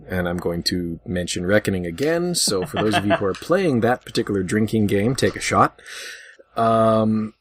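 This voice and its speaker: A man with a somewhat low, husky voice talks casually on a podcast. He works through his point in a halting, digressive way, with wry asides to listeners. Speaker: podcast host discussing video games. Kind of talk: casual chat.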